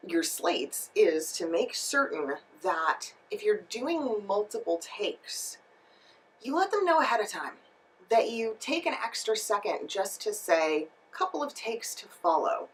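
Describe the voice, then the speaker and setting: A woman's voice: medium pitch, animated, a little slow, distant mic, poor audio. A woman giving instructional tips to camera as a voice-over coach and host, emphatic and speaking directly to her viewers. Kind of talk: instructional video talk to camera.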